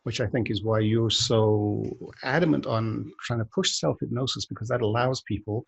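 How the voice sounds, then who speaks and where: Man, podcast host, gravelly husky voice, rambling casual chat, joking asides. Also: medium pitch, steady tone, normal speed. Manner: rambling, self-interrupting, joking.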